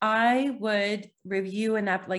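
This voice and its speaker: A woman's monotone, flat delivery with a Canadian accent, in a very clean recording with a silent background. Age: 40s. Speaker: mortgage broker. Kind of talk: interview. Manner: hesitant, many fillers.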